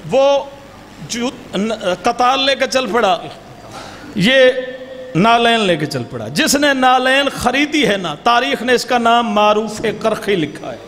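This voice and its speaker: High-voiced declaiming orator. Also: male voice, animated, takes it slowly, a bit bright. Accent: Pakistani. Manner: declamatory, urging crowd responses. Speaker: religious orator. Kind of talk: devotional storytelling oration. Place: large gathering hall. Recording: reverberant hall, faint noise.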